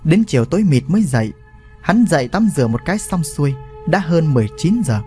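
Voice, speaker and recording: A man narrates a story with an animated, lively delivery and a fairly high voice. Soft music plays faintly underneath. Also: quick pace.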